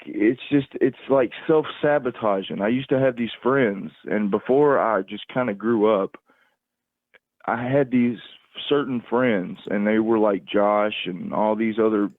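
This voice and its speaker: A man calling in to a livestream over a phone, rambling casually in a halting, repetitive way as he searches for words. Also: fairly low pitch, dry recording. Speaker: call-in caller on a livestream. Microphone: phone call. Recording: tinny, narrow phone-call line, dry.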